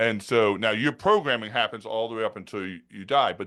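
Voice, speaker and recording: In a New York accent, a man speaks at a fairly quick pace. His pitch is medium and its variation ordinary. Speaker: author and speaker. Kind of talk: interview. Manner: slurred enunciation.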